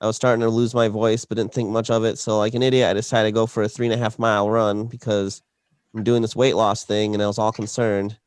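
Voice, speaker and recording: A man's voice: fairly low pitch, flat delivery, fast, smooth, no echo. A man co-hosting a podcast, telling a long, rambling story in casual chat, full of fillers and restarts. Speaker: podcast co-host.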